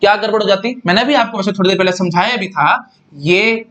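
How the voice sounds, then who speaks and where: A man's voice: sits high, brisk, a bit bright. A man giving a casual, chatty lecture, repeating points and often checking whether students follow. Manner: chatty, repeats himself, keeps asking students if they follow. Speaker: teacher.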